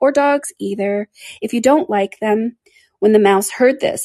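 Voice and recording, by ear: The background is quiet while the text is read aloud in a natural voice, pitch varying in an ordinary way.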